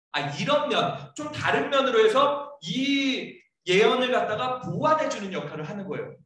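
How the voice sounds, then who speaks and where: Male pastor, sermon, bright voice, recorded from far off in an echoing church hall. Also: very high voice. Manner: keeps asking the congregation questions; acts out scolding lines in a raised voice. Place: church sanctuary.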